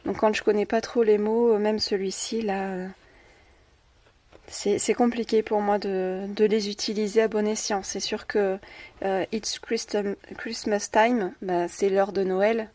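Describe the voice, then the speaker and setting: Unhurried and warm, her mid-range voice stays level in a dry recording. The French-accented host of a scrapbooking video, she casually presents a craft haul in a hesitant way, leaning on fillers and repeated words, captured by a distant mic with faint noise.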